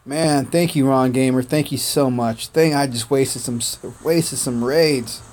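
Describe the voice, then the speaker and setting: A man born in Korea whose first language was Korean, chatting casually on a game livestream, thanking viewers by name and filling pauses with "uh" and "man". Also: mid-range voice, a little mellow. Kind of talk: casual gaming livestream chat.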